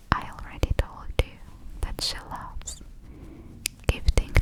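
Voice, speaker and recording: A calm, whispering woman's voice over noticeable background noise. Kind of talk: ASMR vlog narration. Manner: whispered, soft-spoken; calm, slow.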